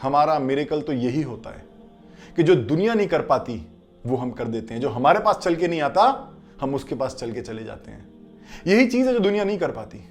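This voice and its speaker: Guy playing a wry old sage, teasing, goes loud and bossy giving orders, bit high. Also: very animated, soft background music. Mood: gentle. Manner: commanding, loud when ordering.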